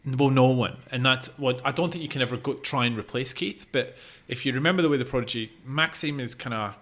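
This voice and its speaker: A man's voice: medium pitch, brisk, fairly bright tone. A man co-hosting a podcast, chatting casually about gigs he has been to. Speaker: podcast co-host.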